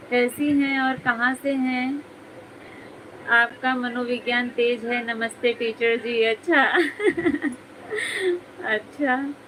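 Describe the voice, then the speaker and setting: Woman on a phone livestream, high bright voice, slow chatty talk, giggles a lot. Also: slight background noise, low-quality recording. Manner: chatty, giggly, teasing viewers by name. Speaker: live stream host. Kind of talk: casual live-stream chat reading viewer comments.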